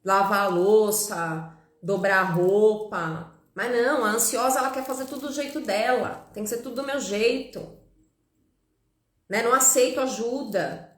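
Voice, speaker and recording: A woman psychologist in her thirties talks to her live audience in a loose, chatty way, tagging her sentences with little questions. Her voice sits a bit high, and the room adds a clear echo around it. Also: a little slow. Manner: chatty, warm asides, frequent "né?" tags, laughs with viewers. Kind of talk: live-stream talk to viewers. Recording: echoey room.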